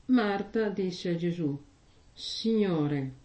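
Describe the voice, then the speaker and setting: A woman reading a gospel passage slowly and then preaching on it in a conversational way, asking her listeners questions. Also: lowish voice, lively intonation, mellow. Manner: slow, measured reading with heavy pauses. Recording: echoey, distant, dull lo-fi sound.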